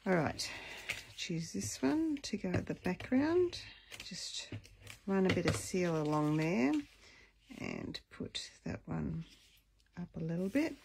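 A woman with a deep, husky voice hosting a casual stamping tutorial, chatting and thinking aloud as she crafts. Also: very animated, slow pace, pauses often, a little mellow, slight background noise. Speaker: craft video host.

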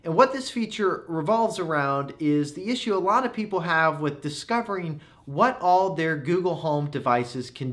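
A young man in his twenties narrating a scripted tech review with a clear, instructional delivery. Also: sits high, fairly bright tone. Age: 20s. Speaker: tech reviewer, video host.

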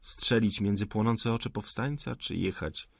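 Low, husky male audiobook narrator. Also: no echo, clean studio sound. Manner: measured, dramatic reading with pauses.

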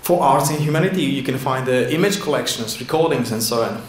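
Brief: male conference presenter, mid-pitched, halting English with lots of fillers, lectern mic in an echoey hall with faint room noise. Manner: halting non-native English with many fillers and restarts. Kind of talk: conference talk with slides. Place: large indoor conference hall. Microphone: lectern microphone at a podium.

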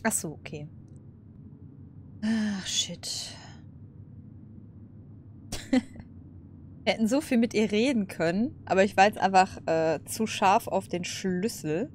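A woman's voice: mid-range voice, slow, long pauses, a little mellow, slight background noise. A woman casually commenting over a game, chatty, laughing and cursing at setbacks. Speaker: let's play host.

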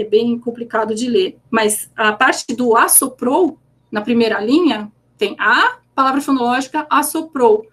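Brazilian woman presenting her research online, kinda high voice, lots of restarts and repeated words. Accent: Brazilian Portuguese. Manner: hesitant, explanatory, repeats words while thinking. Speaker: conference presenter. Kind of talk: academic conference presentation.

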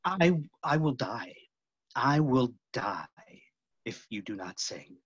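A man playing a tormented, obsessive phantom in a staged reading, halting and dramatic, moving between hushed and loud. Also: mid-range voice, very animated, slightly rough, no echo, full character voice. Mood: possessive, pleading. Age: middle-aged. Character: tormented, obsessive masked phantom, possessive male lover. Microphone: computer mic on video call. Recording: muffled video call audio.

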